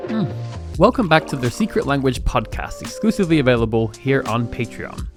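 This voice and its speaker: A man's voice: medium pitch, very animated, a little fast, over music. A young adult man hosting a podcast, talking in a reflective, chatty way, with plenty of fillers and restarts. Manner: reflective, chatty, lots of fillers and self-corrections. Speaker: podcast host. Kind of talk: relaxed podcast monologue.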